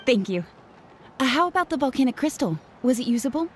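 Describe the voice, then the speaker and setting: Chatty, high-voiced jeweler. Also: female voice, very animated, fairly quick, a little hiss or hum. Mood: friendly. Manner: talkative, friendly, apologetic. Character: kindly, chatty, slightly nervous female jeweler. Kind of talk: game dub acting.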